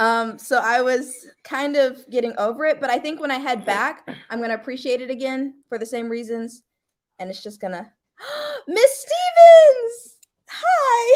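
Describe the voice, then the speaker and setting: With an American accent, a woman speaks in a high pitch at a fairly slow pace, her tone animated and her pitch variation ordinary. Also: big swings in loudness. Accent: Southern, sometimes slips. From US South, Alabama. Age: young. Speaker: college student, host's daughter. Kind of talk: casual chat. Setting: livestream.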